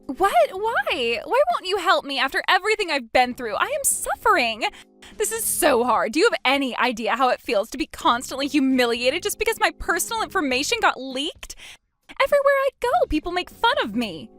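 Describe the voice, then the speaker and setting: A woman's voice: sing-song, fairly quick, hardly any pauses, fairly bright tone, soft background music. A woman voicing a desperate disgraced sister-in-law who pleads and begs for help. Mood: shrill despair. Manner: pleading, shrill, sobbing pleas.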